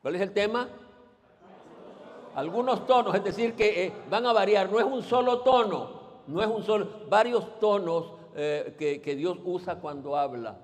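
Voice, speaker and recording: A male pastor with a fairly high, slightly slow voice preaches a sermon in a church sanctuary, getting the congregation to repeat after him and tossing out questions. The recording carries a long church reverb.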